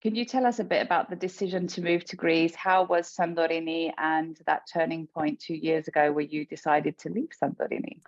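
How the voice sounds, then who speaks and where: Low-voiced woman host, dull dry sound. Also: fairly even intonation, a little fast, hardly any pauses, dry recording. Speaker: podcast host. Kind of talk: casual interview chat.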